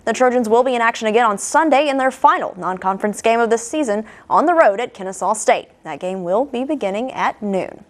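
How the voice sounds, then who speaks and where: A young woman gives the sports segment in a fairly high voice. She runs through scores and schedules at a brisk, upbeat clip. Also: expressive. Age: young adult. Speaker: sports reporter. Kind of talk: sportscast reading.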